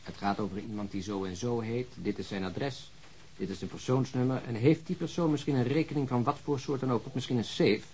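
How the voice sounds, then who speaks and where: A man playing a cautious, wry police detective in a radio drama, speaking in a dry, measured way. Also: medium pitch, darkish tone, slight background noise, lightly acted.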